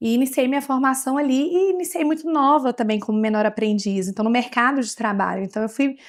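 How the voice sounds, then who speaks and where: In a Minas Gerais accent, a woman speaks fairly quickly in a high pitch with lively intonation against a quiet background. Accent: Minas Gerais (mineiro). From interior of Bahia, Brazil, later Minas Gerais. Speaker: technology company executive. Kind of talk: interview. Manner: halting, many fillers and restarts.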